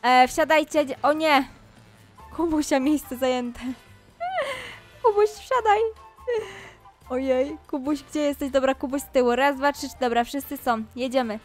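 With soft background music, a high-voiced woman speaks unhurriedly, leaving long pauses. Playing a scolding mom in Roblox, this YouTuber comments on the game and addresses her viewers head-on.

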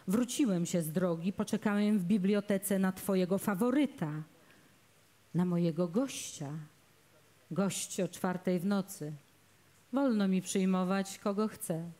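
A woman's voice: mid-range voice, warm tone, natural voice. A woman voicing a jealous young man, the fiancé, who speaks in a cold, mocking way. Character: jealous young male fiancé, sneering and spiteful.

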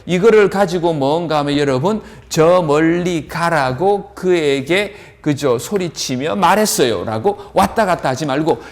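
A man teaching an English lesson, asking his students questions and answering them himself, drawing out the English words slowly as he models them. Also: on the high side. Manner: animated, asks and answers his own questions. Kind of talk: lively classroom-style lesson.

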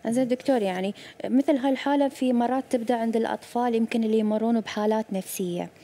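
A woman with a Gulf Arabic accent hosting a TV interview, asking brisk questions with short prompts. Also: on the high side, dark tone. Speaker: TV show host.

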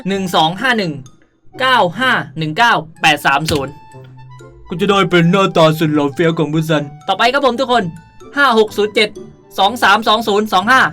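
A woman's voice: mid-range voice, fairly bright tone. A woman talks through a game tutorial as its host. Her delivery is casual and playful, with cutesy endings to her sentences. Music runs behind her voice. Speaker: gaming video host. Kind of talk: casual game tutorial commentary, reading out item codes. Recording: music under the voice. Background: background music.

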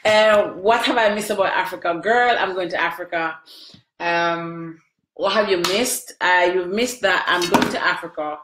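A woman's voice: on the low side, measured pace, fairly bright tone, a little hiss or hum. A middle-aged woman chatting live on a webcam at home, sniffly from crying, emotional and talking to viewers by name. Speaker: livestream host answering viewers. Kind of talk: casual live video chat. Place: small room at home, indoors. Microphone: webcam at close range. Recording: echoey room.

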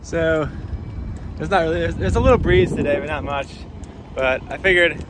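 A man in his thirties vlogging casually from a small sailboat, thinking aloud in a relaxed, rambling way, filmed on a phone at arm's length outdoors. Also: a little high, normal speed. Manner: relaxed, thinking aloud, drifting between topics. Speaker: sailing vlogger. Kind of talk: casual vlog narration. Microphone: phone camera held at arm's length. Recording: wind and water noise.

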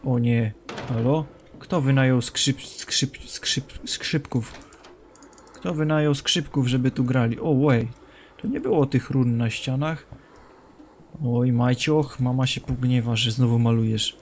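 A man's voice: mid-range voice, fairly even intonation, a little slow, a little mellow, slight background noise. A young man commentating a horror game as a streamer, joking, talking to the game's characters and dropping English phrases. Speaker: gaming streamer.

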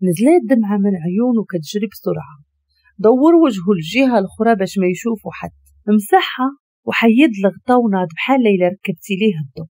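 A woman with a Moroccan Arabic accent narrates a dramatic story at a quick clip. Her voice is mellow and warm, and her pitch moves a lot as she reads. The recording is dry and close. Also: dry recording. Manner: brisk, expressive reading.

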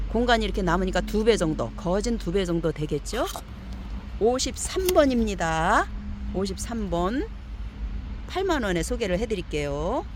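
A woman's voice: mid-range voice, a little mellow, slight background noise. A woman selling succulent pots, chatting casually as she shows and measures them for viewers with a coaxing, repetitive manner. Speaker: succulent pot seller. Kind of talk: casual product showcase.

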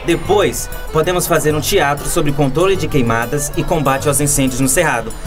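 A man's voice: a little high, normal speed, close to an everyday voice. A man as a confident teenage class president, music behind. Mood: keen. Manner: explaining, youthful. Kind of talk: radio drama acting.

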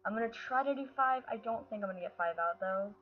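A woman's voice: mid-range voice, fast talker. A woman hosting her own channel, talking casually while she plays a game, her voice worn by sickness and often frustrated. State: sick, voice affected. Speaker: gaming channel host. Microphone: built-in mic, no headset. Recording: dull lo-fi built-in mic.

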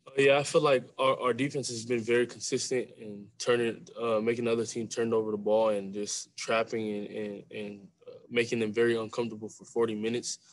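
A young man, a college basketball player, answering questions at a postgame press conference over a video call, speaking softly and often repeating words as he starts a phrase. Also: mid-range voice, level tone, a little fast. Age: young adult. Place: small room with a sponsor backdrop. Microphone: video call webcam.

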